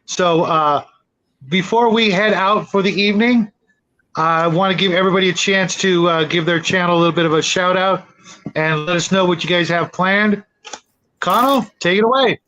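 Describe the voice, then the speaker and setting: A man with a high, bright voice hosts a relaxed group discussion. He talks casually and informally, handing over to others as a panel host does. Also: normal speed, muffled recording. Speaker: host of online roleplaying panel.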